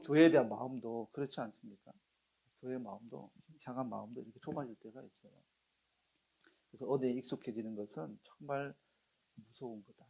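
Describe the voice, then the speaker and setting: Man, pastor, sermon, husky voice, storytelling, questions to the congregation. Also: medium pitch, dark tone. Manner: storytelling with acted quotes, asks the congregation questions.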